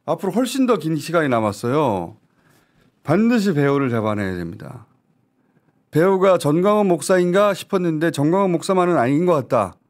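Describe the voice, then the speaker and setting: A man's voice: a little high, very animated, a little fast. A man giving heated news talk-show commentary, talking in an indignant, emphatic and urgent way. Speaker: political commentator.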